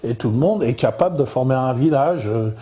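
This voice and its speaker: Older Parisian man lecturing haltingly. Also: mid-range voice, animated, mellow. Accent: Parisian French. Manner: halting, many fillers and repeated words. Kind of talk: informal lecture over slides.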